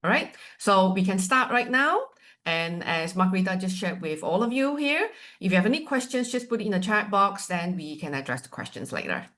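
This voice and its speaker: A woman's voice: medium pitch, brisk. A woman from Malaysia with a Malaysian accent, giving a chatty, playful webinar presentation over a video call. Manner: chatty, lively, with a light playful tone. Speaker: university representative presenting to agents.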